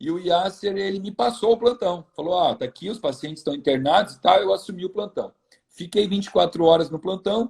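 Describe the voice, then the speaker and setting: A man's high-pitched voice at a fairly quick pace, with ordinary pitch variation and big swings in loudness. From southern Brazil, Rio Grande do Sul (Caxias do Sul). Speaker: doctor. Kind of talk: casual interview chat.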